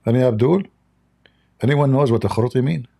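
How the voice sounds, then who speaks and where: A hoarse man chatting casually on a livestream, his voice gravelly and husky from strain. He jokes and rambles while working at his computer, in a low, dark tone. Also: brisk. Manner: joking, rambling while fiddling with software. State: hoarse, losing his voice, coughing. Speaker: livestream debate host.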